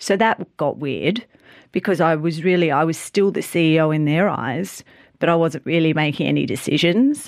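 A woman with an Australian accent speaks at a fairly low pitch on a very clean recording with a silent background. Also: ordinary pitch variation, moderate pace. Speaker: entrepreneur and author. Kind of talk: casual interview.

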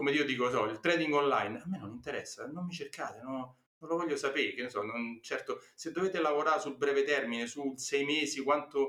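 Here a man speaks with a Roman accent. His tone is bright and sharp. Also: ordinary pitch variation. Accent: Roman Italian. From Rome, Italy. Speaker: podcast host and financial advisor. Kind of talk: casual interview.

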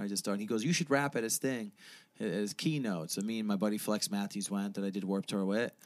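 With an American accent, a man uses a normal speaking voice, fairly low in pitch with ordinary pitch variation. The recording is very clean with a silent background. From New Jersey / New York area. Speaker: rapper. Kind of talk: casual chat. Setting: host's basement.

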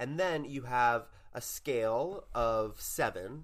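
The intonation is lively. It is an unremarkable speaking voice. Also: man. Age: 20s. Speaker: podcast co-host. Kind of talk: casual chat.

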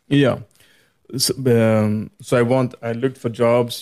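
This man speaks with a Swedish accent and a dark, mellow tone. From Sweden. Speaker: jazz pianist. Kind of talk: casual interview. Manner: halting.

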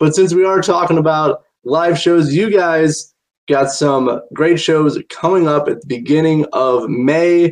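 A man with an ordinary speaking voice talks at a fairly slow pace, fairly high in pitch with ordinary pitch variation. His loudness stays very even. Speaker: radio host. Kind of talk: casual interview.

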